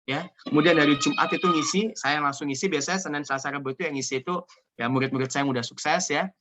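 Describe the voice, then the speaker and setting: A man from Indonesia giving an energetic, joking motivational business talk over a video call. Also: on the high side, fast talker. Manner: energetic, joking, repeats "ya" often. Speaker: seminar speaker.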